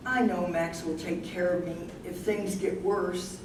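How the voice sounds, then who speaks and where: A woman playing an anxious, gentle wife with failing memory, speaking confessionally in a staged reading. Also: lowish voice, fairly even intonation, a little slow, lightly acted. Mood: wistful, resolute. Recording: echoey distant stage recording, clear noise.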